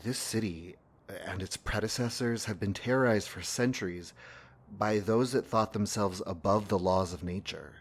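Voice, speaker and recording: Audio drama partner, played by a man: deep, grave and gentle, tired and ailing, quietly knowing, measured delivery. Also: slightly rough. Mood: grave, insistent. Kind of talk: fiction podcast acting.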